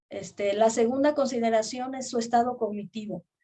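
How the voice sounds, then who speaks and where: A woman speaks at a moderate pace in a fairly high pitch with fairly even intonation. Her tone is dark and mellow, and somewhat breathy. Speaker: geriatrician. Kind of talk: lecture. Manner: frequent fillers and hesitations.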